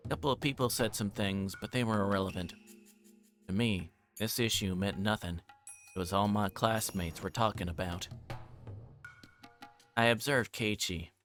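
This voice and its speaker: A man's voice: lowish voice, moderate pace, long pauses, fairly bright tone. A man reading a visual novel aloud on a livestream, narrating in first person and occasionally stumbling over words. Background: game music.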